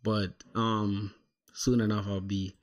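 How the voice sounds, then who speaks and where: A young man from South Sudan, Shilluk his first language, talks through his coding in a relaxed, rambling way. His voice sits a little low. He keeps tossing "bro" to his viewers. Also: slow. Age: young adult. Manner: relaxed, thinks aloud, says "bro" a lot. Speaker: livestreaming programmer. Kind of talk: casual coding livestream chat.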